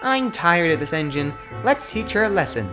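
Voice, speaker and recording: A man's voice: a little high, very animated, normal speed, pitched above the performer's own voice. A man voicing a gang of rowdy, mocking freight trucks in a storybook reading. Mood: indignant. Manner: loud, mocking, giggly. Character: small mischievous freight trucks, rowdy jeering lads. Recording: music playing clearly behind.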